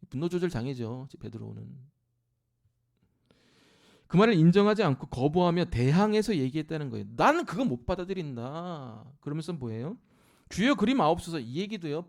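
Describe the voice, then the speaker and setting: A male pastor preaches with a lively, swinging delivery and a gravelly edge in his voice. His pitch sits on the higher side as he explains scripture to his congregation. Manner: animated preaching, shouting scripture at peaks, then dropping low. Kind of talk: sermon. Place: church sanctuary.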